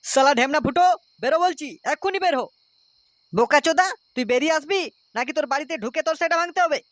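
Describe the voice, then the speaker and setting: A man's voice: very high voice, fast talker, a bit bright, dry recording. A man voicing a jealous, foul-mouthed village husband in a comic cartoon, with a West Bengal accent and a blustering, coarse, threatening manner. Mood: furious.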